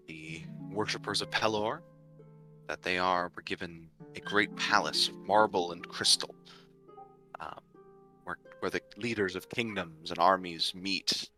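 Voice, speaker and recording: Deep-pitched male game master with a piercingly bright tone and a stop-start delivery. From United States. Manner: halting, full of ums and uhs and restarts. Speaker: dungeon master. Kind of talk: narrating a tabletop game livestream.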